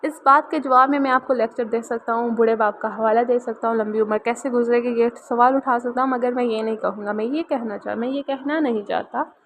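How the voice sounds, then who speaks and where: A woman reading the lines of a calm young man in love in a romance novel, soft and low-key. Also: brisk, slight background noise, natural voice. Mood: earnest.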